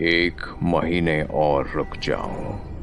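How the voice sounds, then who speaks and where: Clear music plays in the background of a put-on character voice. It growls with a menacing tone. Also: man, very deep, low pitch for a man. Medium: audio drama. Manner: mixes Hindi with English, genteel yet menacing.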